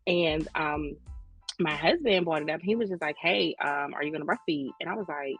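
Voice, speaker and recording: A woman's voice: deep voice, moderate pace, a bit bright, breathy edge, soft background music. A woman in her thirties from Maryland with an African American English accent, telling stories in a casual, slangy, joking way as a podcast host. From Maryland, United States. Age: 30s. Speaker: podcast co-host, lactation consultant. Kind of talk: casual conversational storytelling.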